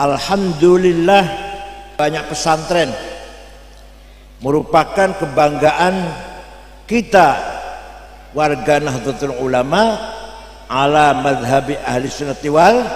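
The speech comes at a very slow pace with ordinary pitch variation, broken by long, frequent pauses. Room echo is audible. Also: man. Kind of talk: sermon. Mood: warm, joking at times. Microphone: handheld.

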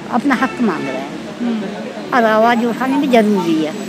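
Over noticeable background noise, a woman speaks at a fairly slow pace and fairly high pitch with ordinary pitch variation, in a dry sound with no echo. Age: 80s+. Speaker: protest leader. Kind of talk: interview answer. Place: garden. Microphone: handheld.

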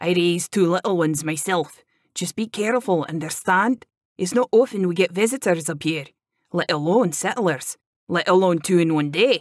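Putting on a gruff, booming character voice, a woman speaks at a medium pitch and a moderate pace in a very clean recording with a silent background.

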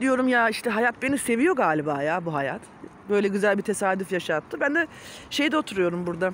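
A man's high-pitched voice with very wide pitch swings, a fairly quick pace, a dry sound with no echo and light background noise. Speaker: vlogger. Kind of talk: casual vlog chat. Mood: happy, amused. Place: waterside. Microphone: phone near.

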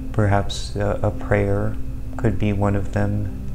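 A man speaks at a very slow pace over clear music in the background. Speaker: meditation guide. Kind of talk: guided meditation talk.

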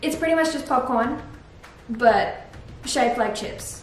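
A woman's high voice with ordinary pitch variation, audible room echo and noticeable background noise. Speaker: vlogger. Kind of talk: casual vlog chat. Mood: cheerful, upbeat. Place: kitchen. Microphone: camera far.

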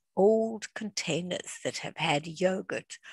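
A South African accent at a very slow pace, with a dry, close sound with no echo and a quiet background. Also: woman. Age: 60s. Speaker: craft instructor and retired educator. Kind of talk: tutorial.

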